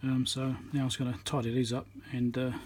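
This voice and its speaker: A man talks casually through a hands-on repair demonstration at a workbench, in a mid-pitched voice. He speaks haltingly, partly muttering to himself as he concentrates. It is picked up by a phone with faint room noise behind him. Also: level tone, darkish tone. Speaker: electronics repairer, channel host. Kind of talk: casual hands-on demonstration commentary while working. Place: indoor electronics workbench. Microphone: phone on a tripod above the work. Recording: noisy room recording on a phone.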